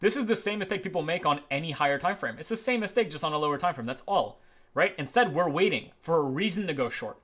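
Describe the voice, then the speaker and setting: Bright-voiced man explaining trading charts. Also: fairly high pitch, animated. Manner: repeats "right?" as a tag, talks through live charts; uneven pace, speeds up and slows down. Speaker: trading educator. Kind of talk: screen-share chart walkthrough.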